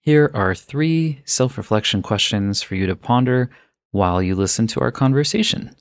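A man's voice: medium pitch, expressive, normal speed, no echo. A man hosting a podcast, reading an upbeat intro and then interviewing a guest, laughing easily. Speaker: podcast host.

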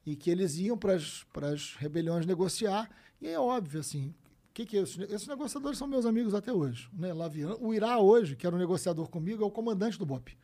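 A man, telling stories as a guest in a casual conversation, animated and full of swearing. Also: high-pitched, brisk. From Brazil. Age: 50s. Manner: animated storyteller, frequent swearing and "né?" tags.

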